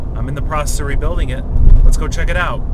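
A man is heard in a dry sound with no echo, against loud background noise. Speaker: car rebuilder vlogger. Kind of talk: casual vlog chat. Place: car. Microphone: phone near.

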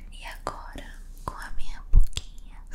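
A soft-spoken woman talks in a whisper. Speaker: ASMR content creator. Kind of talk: soft ASMR product talk. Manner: soft close-mic ASMR whisper. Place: studio. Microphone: studio mic.

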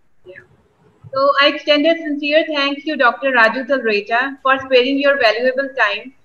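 Raised and projected, a woman's voice is high in pitch with a bright, sharp tone. Her pitch varies in an ordinary way. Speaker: webinar moderator. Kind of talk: formal moderation. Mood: polite, formal. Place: office. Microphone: video call.

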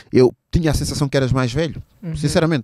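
Over a quiet background, a man speaks with a dark, mellow tone. The sound is dry, with no echo. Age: 30s. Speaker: podcast host. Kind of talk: casual interview. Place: studio. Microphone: studio mic.

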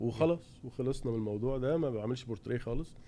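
At a very fast pace, a man talks in a medium pitch with a dark, mellow tone. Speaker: photographer and director. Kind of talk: casual interview chat. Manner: halting.

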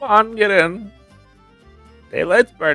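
Over faint music in the background, a put-on character voice moves at a fairly slow pace with ordinary pitch variation. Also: man. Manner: curt, impatient.

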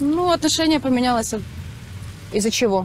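A woman's fairly high voice with very wide pitch swings, dry with no echo, over light background noise. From Ukraine. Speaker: journalist interviewing residents. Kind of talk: street interview. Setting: outdoors on the street. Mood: subdued, matter-of-fact. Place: street. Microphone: handheld.

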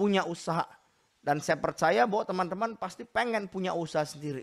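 Against a quiet background, a man talks very fast at a high pitch in an animated tone, his loudness swinging widely. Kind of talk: sermon and Bible teaching, online. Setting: online video call or livestream. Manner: animated, conversational. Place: home room. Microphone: handheld.

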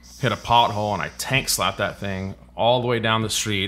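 A man talks at a fairly quick clip, his fairly low voice bright and sharp in tone. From San Francisco Bay Area, Contra Costa County. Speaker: stunt biker and stunt driver. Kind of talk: casual chat. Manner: animated.

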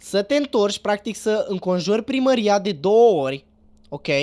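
The man's pitch is high and swings very widely. He keeps a moderate pace. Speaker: gamer roleplaying police chief. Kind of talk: roleplay gaming chat. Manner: formal.

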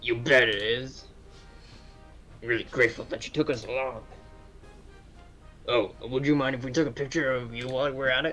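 Clear music plays behind a man of medium pitch who talks at a moderate pace with long, frequent pauses. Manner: brash, eager.

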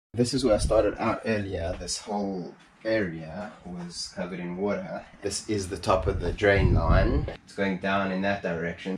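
A man with a fairly low pitch speaks at a moderate pace, with hardly any pauses. His intonation is fairly even, and there is noticeable background noise. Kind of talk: tutorial. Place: garden. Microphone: phone near.

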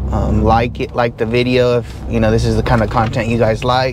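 The recording of a man has a dry sound with no echo. Noticeable background noise can be heard. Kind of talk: casual vlog chat. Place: car. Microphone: lapel.

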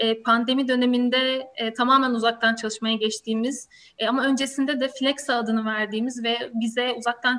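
A woman with a high, bright, sharp voice and monotone, flat intonation. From Izmir, Turkey. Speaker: HR talent development manager. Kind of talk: online career talk with presentation. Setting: video call. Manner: frequent filler 'e', hesitant.

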